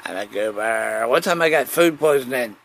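A man rambling casually through a solo podcast monologue, halting and digressive, often repeating himself. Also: medium pitch, lively intonation, fairly bright tone. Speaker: podcast host. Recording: clearly noisy background.

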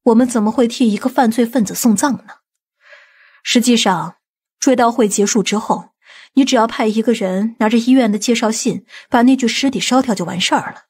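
A woman acts as a composed, commanding aunt in an audiobook drama, plotting in a matter-of-fact way. Her voice is fairly high and husky. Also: darkish tone. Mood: assured, chiding. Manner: measured, matter-of-fact, authoritative. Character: composed, commanding, scheming aunt of a powerful family.

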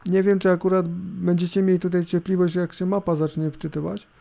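A man's voice: high voice, little pitch movement, brisk, vocal fry, mellow. A middle-aged man gives casual, rambling, hesitant commentary on a screencast, with laptop fan noise hissing behind him. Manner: informal, rambling, hesitant, with tag questions. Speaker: host of a tech review video. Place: indoors at a computer. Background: laptop fan hum.

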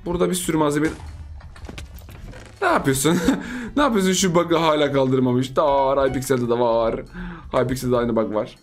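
A man giving live gameplay commentary, excitable and playful, teasing his opponents and chanting repeated words in a sing-song way. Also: medium pitch, normal speed, pauses often, faint music behind. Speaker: gaming YouTuber.

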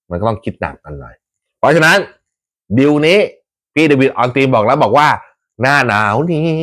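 Chatty, slangy Thai football fan host. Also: male voice, mid-range voice. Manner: chatty, animated, rough slang, laughs often. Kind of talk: casual football talk to viewers.

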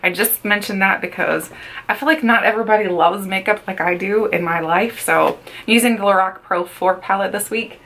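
A woman's voice: medium pitch, a little fast, a bit bright. A woman in her thirties chatting casually while doing her makeup at a desk in a small room, repeating words for emphasis and saying she feels she is losing her voice. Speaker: beauty vlogger. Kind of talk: casual get-ready-with-me chat. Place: small bedroom makeup setup, indoors.

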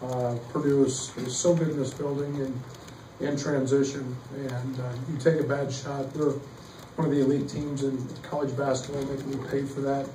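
A middle-aged man, a basketball coach, answering questions at a postgame press conference, halting with many fillers and restarts. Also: mid-range voice, flat delivery, warm tone. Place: press room behind a table. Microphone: table mic, heard from some distance. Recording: echoey room, distant mic, faint noise.

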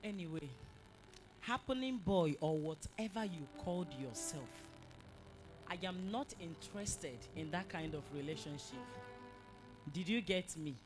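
A woman's voice: lowish voice, animated, measured pace, music in the background. A young woman playing a confident Christian student who scolds and preaches.

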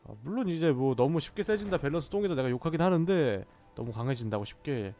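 A man's voice: fairly high pitch, lively intonation, quick pace, mellow, soft background music. A man giving casual let's-play commentary as a gaming streamer, joking and bantering with the characters on screen, recorded on a dull lo-fi mic.

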